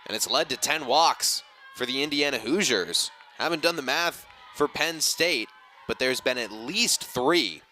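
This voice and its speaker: Bright-voiced male color commentator. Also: mid-range voice, animated, measured pace, some chatter behind, slight background noise. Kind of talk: conversational sports analysis.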